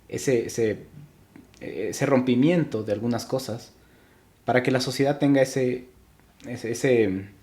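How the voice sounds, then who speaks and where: A man's voice: medium pitch, darkish tone. A young man from Ecuador, a podcast guest, talking reflectively in casual interview chat with frequent restarts.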